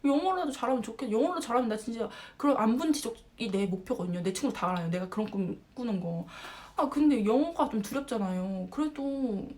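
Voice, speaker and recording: A woman's voice: on the high side, a little fast, few pauses. A woman in her twenties casually telling a story to her viewers, acting out the dialogue as she goes and laughing often. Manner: animated, acts out quoted dialogue, frequent laughter. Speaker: vlogger.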